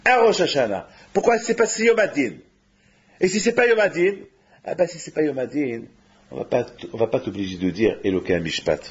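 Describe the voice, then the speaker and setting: Animated preacher man, dull lo-fi recording. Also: brisk, breathy edge. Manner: animated, rising to high exclamations then dropping low. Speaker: rabbi. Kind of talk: sermon.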